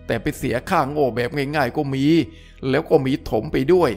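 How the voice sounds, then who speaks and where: A man's voice: mid-range voice, normal speed, vocal fry, a little mellow, faint music behind. A man voicing a blunt, sardonic sergeant who needles others dryly. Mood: needling.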